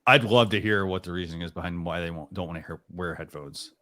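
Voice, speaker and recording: A man's voice: low-pitched, fast, bright, forceful tone, dry recording, clean studio sound. A man co-hosting a live stream, chatting casually in a rambling way with lots of restarts. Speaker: co-host of a live stream show.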